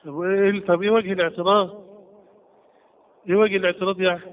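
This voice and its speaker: A man's voice: high-pitched, flat delivery, very fast. An Egyptian man teaching a religious lesson, quizzing his class with repeated questions. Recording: tinny lo-fi lecture recording.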